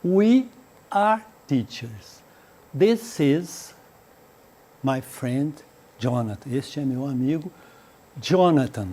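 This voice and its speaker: A Brazilian man with a fairly high voice teaches an English class for schoolchildren. He reads each English sentence slowly and then translates it, filling the gaps with fillers. His pace is patient and explanatory. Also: darkish tone. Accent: Brazilian Portuguese. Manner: frequent "então" and "né" fillers. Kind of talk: recorded remote school lesson.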